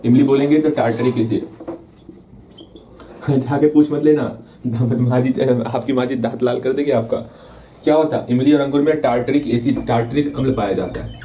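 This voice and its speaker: A man's voice: mid-range voice, steady tone, normal speed, warm tone, slight background noise. A man teaching a casual revision lesson, playfully repeating key terms and asking and answering his own questions. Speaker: science teacher.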